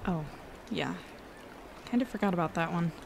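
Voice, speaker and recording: An actress playing a relaxed, reassuring young woman in a naturalistic audio drama. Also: on the low side, normal speed, gravelly, noisy background. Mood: curious.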